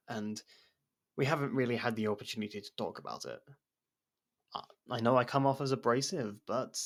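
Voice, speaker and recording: A man playing an abrasive but protective murderer turned investigation partner in an intimate ASMR audio drama, speaking in a halting, guarded way. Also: mid-range voice, vocal fry.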